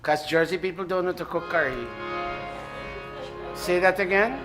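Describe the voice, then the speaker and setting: High-voiced man directing a temple ceremony. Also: moderate pace, music in the background. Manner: directive, joking, apologetic asides. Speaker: temple priest leading a ceremony. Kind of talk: live ceremony directions to congregation.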